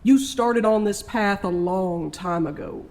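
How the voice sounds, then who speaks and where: Ancient trickster spirit played by an actor for audio drama: unhurried, folksy, theatrical, world-weary, mid-range voice. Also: mid-range voice, darkish tone, natural voice. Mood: taunting, knowing. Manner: slow drawling folksy speech, theatrical. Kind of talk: scripted audio drama acting.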